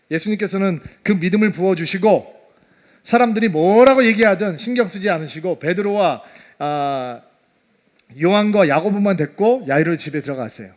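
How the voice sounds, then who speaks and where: Middle-aged man, pastor, sermon, high voice, animated delivery. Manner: animated, swings from loud emphasis to soft hushed tones.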